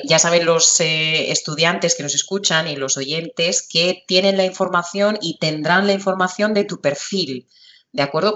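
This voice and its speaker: A woman's voice: on the low side, a bit bright, muffled recording. A woman hosting a podcast interview, asking questions in an enthusiastic way. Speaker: podcast host.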